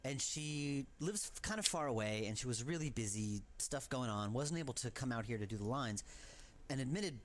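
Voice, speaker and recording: A man's voice: mid-range voice, expressive, moderate pace. A man, the game's developer, telling rambling, anecdotal stories in developer commentary and laughing often. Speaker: game developer.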